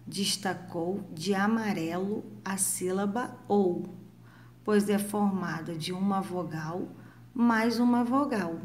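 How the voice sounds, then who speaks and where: A woman's voice: medium pitch, takes it slowly, a little mellow, a little hiss or hum. A woman teacher with a Brazilian accent giving a recorded lesson to young children, patiently spelling out letters and syllables in an affectionate tone. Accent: Brazilian Portuguese. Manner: affectionate with pupils. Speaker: primary school teacher.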